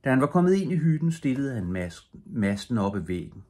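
An older man reading a bedtime story aloud as an audiobook narrator, calm and steady, with a husky voice. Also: mid-range voice. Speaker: audiobook reader.

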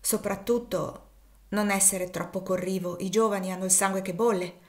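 Woman doing a solemn, gentle old Quaker in an audiobook. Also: medium pitch, fairly even intonation, moderate pace, lightly acted. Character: calm pious older Quaker man.

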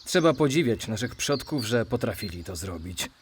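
A man playing an elderly male city dweller recalling his childhood, in a measured, reflective memoir reading. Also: lowish voice, animated, a little hiss or hum, natural voice.

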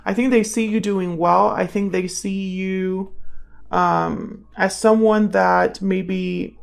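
A woman giving a casual tarot reading, thinking aloud and speaking straight to the listener in a conversational way, with gravelly vocal fry. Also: mid-range voice, steady tone, takes it slowly, soft background music. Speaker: tarot reader, channel host.

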